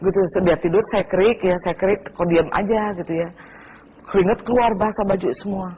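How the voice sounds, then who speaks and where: A woman's voice: medium pitch, fairly quick, dark tone. A woman guest recounting a frightening night as personal testimony, retelling it vividly and emotionally. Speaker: guest, wife. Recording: dull lo-fi TV audio, faint noise.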